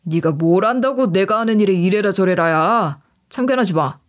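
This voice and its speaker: A woman's voice: medium pitch, animated, normal speed, natural voice. A woman voicing a sulky, condescending middle-aged husband who is a doctor, talking in a grumbling, dismissive way. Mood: snapping.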